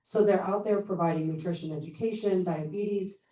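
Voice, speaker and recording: A woman's voice: on the low side, steady tone, moderate pace, dark tone. A woman presenting a charity's services at a community meeting, upbeat and informal with many fillers. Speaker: charity program representative. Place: public meeting room. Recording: roomy distant meeting-room mic.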